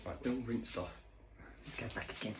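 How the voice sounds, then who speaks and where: A man's voice: on the low side, a little fast, reverberant, background noise. A man chatting to his dog and his viewers while he prepares food in his home kitchen. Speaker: vlogger. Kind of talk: casual running commentary while doing kitchen chores. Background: dishes and kitchen clatter, a fridge gurgling.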